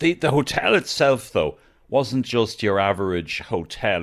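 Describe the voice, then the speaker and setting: On a very clean recording with a silent background, a man with an Irish accent speaks at a moderate pace. His intonation is lively. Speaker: radio host. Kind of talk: radio interview.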